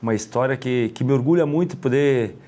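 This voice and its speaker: A middle-aged man with a Gaúcho Brazilian accent, a former footballer talking as an interview guest, rambling and halting with many restarts. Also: medium pitch, dark tone. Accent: Gaúcho Brazilian Portuguese. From Rio Grande do Sul, Brazil. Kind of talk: casual interview.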